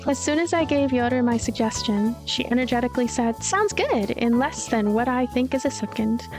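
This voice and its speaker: Woman, fairly high voice, expressive story narration, visual novel let's play, music clearly behind. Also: brisk, low-quality recording.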